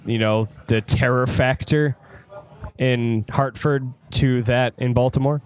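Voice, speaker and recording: A man from the United States hosting a casual podcast chat, reacting in a slangy, animated way. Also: mid-range voice, slow pace. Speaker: podcast host. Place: restaurant.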